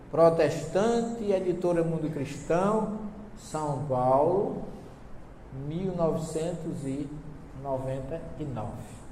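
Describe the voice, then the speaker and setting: A man with a Northeastern Brazilian accent lectures to a live audience, telling stories with lively energy, acting out conversations and putting questions to the crowd. His voice sits a bit higher than most men's. He is recorded in a large hall with a long, echoing reverb and faint background noise. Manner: lively storyteller, acts out dialogue, asks the audience questions. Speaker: lecturer on Bible translations.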